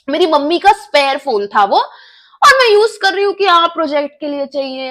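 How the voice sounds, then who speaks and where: A woman's voice: high-pitched, a bit bright. A woman in her twenties telling a personal story in an emotional vlog, switching into English and swearing. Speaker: vlogger.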